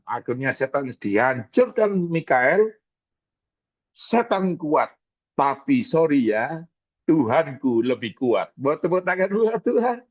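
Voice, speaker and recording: A male pastor from East Java preaching and praying with slow, dramatic emphasis, mixing in English words, heard over a video call. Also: a little high, no echo. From East Java, Indonesia. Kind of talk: emotional sermon and prayer. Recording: dry, dull video-call audio.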